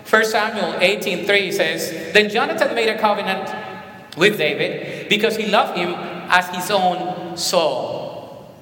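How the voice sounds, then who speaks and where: Colombian-accented pastor preaching in a reverberant hall. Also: male voice, high voice, a little slow. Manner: animated preaching with emphatic repetitions. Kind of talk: sermon. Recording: echoey hall with long reverb.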